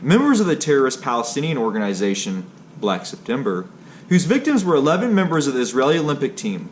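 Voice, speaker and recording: A man's voice: mid-range voice, sing-song, fast talker, a little hiss or hum. A man narrating a history read aloud from a text, in a stilted way that is unsure on hard words.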